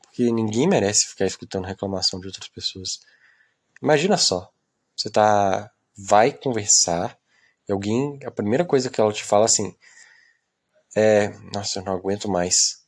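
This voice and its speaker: A man's voice: on the low side, normal speed. A young man, rambling through a solo podcast into a phone in a self-mocking, complaining way that often trails off into mumbles. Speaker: podcast host.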